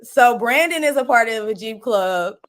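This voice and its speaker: An American woman in her thirties with a slightly hoarse voice, telling stories in an animated, slangy way as a talk show co-host. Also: a little high, normal speed. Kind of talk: lively casual chat.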